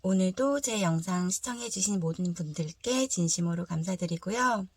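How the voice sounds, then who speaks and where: A woman with a lowish, very husky voice reads tarot for her viewers. She is hoarse with a throat cold. Her delivery is polite and conversational, explaining things as she goes. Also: animated, moderate pace, darkish tone. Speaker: tarot reader, channel host.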